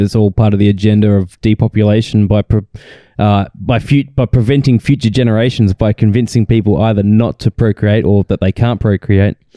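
Dry and close with no echo over a quiet background, a man with an Australian accent speaks fairly quickly in a fairly low pitch, his tone dark and mellow and his intonation fairly even. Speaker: podcast co-host. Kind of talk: casual chat.

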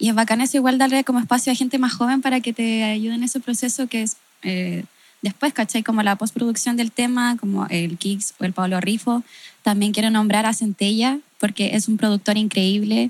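With a Chilean accent, a woman of fairly high pitch speaks at a fairly quick pace with fairly even intonation in a dry, close sound with no echo. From Chile, Puente Alto (Santiago). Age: 20s. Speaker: singer. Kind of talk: panel discussion.

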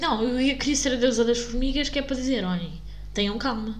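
Talking at a fairly quick pace over noticeable background noise, a woman speaks at a high pitch with ordinary pitch variation. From Portugal, Cascais. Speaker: podcast co-host. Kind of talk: casual chat. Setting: rented apartment in Porto.

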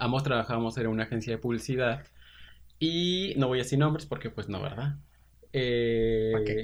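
This man has a normal speaking voice with a medium pitch. He moves at a moderate pace with lively intonation. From Tijuana, Mexico. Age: 20s. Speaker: podcast co-host. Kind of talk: casual chat.

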